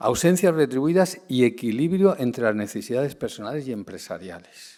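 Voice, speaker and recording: Lively intonation in a Valencian accent, on a very clean recording with a silent background. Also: man. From Valencia region, Spain. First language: Valencian (speaking Spanish). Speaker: law professor and supreme court judge. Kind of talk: conference talk. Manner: conversational, with frequent fillers.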